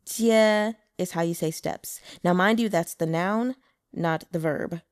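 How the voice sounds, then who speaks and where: A woman's voice: lowish voice, a little slow, clean tone, no room sound, clean studio sound. A woman giving casual, chatty commentary as an audiobook narrator, explaining Mandarin terms. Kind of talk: casual commentary between chapters.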